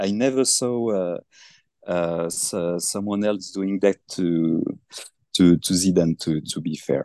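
A man with a very deep, low pitch and a dark, mellow tone speaks at a very slow pace with ordinary pitch variation, the sound dry and close with no echo against a quiet background. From Greek heritage. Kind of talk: casual chat. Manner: halting, many hesitations.

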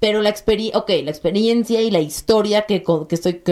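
Speaking at a fairly quick pace, a woman with a Mexican accent has a dark, mellow tone and ordinary pitch variation. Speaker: podcast co-host. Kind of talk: casual chat.

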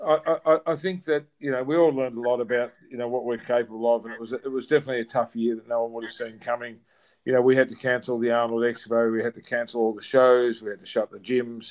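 At a very fast pace, a man speaks in a medium pitch with big swings in loudness. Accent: Australian. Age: 50s. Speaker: gym owner and bodybuilding figure. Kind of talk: podcast interview.

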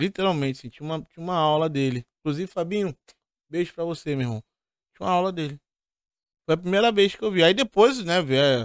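Lively intonation and big swings in loudness mark a man's high-pitched, very fast speech, broken by long, frequent pauses, with a dry, close sound and no echo. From Rio de Janeiro favela. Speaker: drummer and gospel musician. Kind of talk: casual chat.

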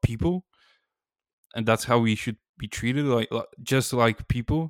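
At a moderate pace and medium pitch, a man speaks with a Polish accent on a very clean recording with a silent background. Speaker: podcast host interviewer. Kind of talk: casual interview conversation.

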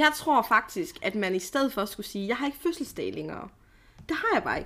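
Her pitch fairly high and swinging very widely, a woman speaks at a fairly quick pace. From Denmark, rural village. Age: 20s. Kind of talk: casual chat.

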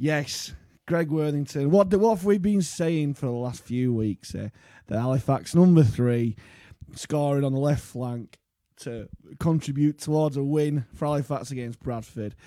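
With a British accent, a man speaks at a fairly high pitch in a dark, mellow tone. The recording is very clean, with a silent background. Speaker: podcast host. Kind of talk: live-streamed sports chat. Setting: live stream. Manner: rambling, repeats words.

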